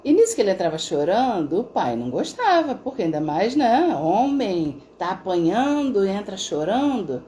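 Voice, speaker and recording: A middle-aged woman therapist speaks in a mellow, warm-toned voice at a middle pitch. She talks casually to viewers of a live stream, telling stories and checking in with frequent tag questions. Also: big pitch swings, moderate pace, hardly any pauses. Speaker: integrative therapist.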